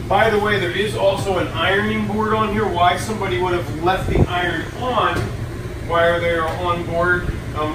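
A middle-aged man with a slightly higher voice talks through a how-to in a chatty, self-deprecating way. He sounds a little away from the camera mic in a hard, echoey laundry room, with steady machine and air hum behind him. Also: distant mic. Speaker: travel vlog host. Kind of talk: casual how-to vlog narration. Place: cruise ship laundry room.

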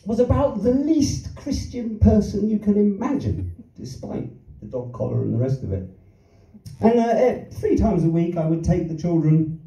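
An older stand-up comedian from London, speaking in a fairly high, mellow voice, rambles through anecdotes on a small theatre stage, chuckling and making fun of himself. He uses a handheld mic, and the audience-filmed recording sounds distant, roomy and dull.

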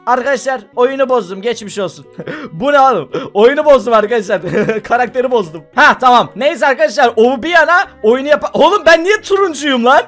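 A man with a very high, bouncy voice talks through a game for his viewers, excitable and often laughing. His pitch leaps up and down as he reacts, and faint music plays behind him. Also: a little fast. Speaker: gaming video host. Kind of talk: casual let's-play commentary.

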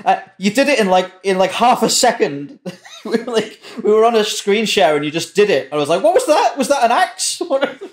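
Amused man with very lively intonation. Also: sits high, moderate pace, slight background noise. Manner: amused, laughs through his remarks. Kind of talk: casual roundtable chat.

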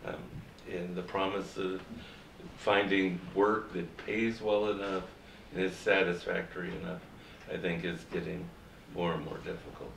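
An older man gives measured career advice on a panel. His voice is very low and gravelly. The sound is distant and echoey, as if taken from across a seminar room. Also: flat delivery, fairly bright tone, slight background noise. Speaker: former Foreign Service officer, panelist. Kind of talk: panel talk. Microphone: far camera.

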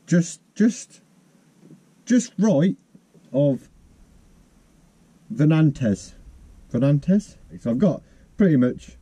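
A man's voice: medium pitch, mellow, no echo. A man, chatting casually and rambling self-mockingly in a parked van. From United Kingdom. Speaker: van life vlogger. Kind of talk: casual vlog chat.

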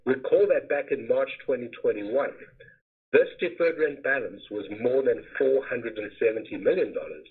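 A man in the role of a company finance executive reading a scripted earnings presentation in a formal, measured manner. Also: medium pitch, expressive, breathy edge. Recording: muffled phone-like conference call webcast audio.

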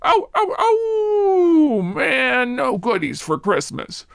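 A woman voicing a greedy, demanding wolf in a children's puppet show, gravelly and dramatic. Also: sits high, expressive, extremely slow, dry recording, clean studio sound, pitched above the performer's own voice, heavily acted. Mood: whiny disappointment. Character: greedy, whiny, hungry male wolf.

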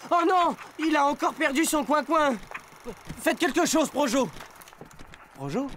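A man voicing an excitable character who fusses over his childhood toy duck, talking theatrically in a scripted comic lesson. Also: measured pace, a little hiss or hum, full character voice. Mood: playful. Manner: theatrical, with big swings of pitch between lines. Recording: music playing behind the voice.

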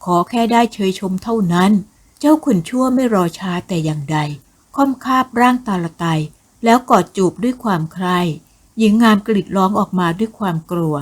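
A woman narrating a dramatic audiobook novel in a steady storytelling voice. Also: mid-range voice, normal speed.

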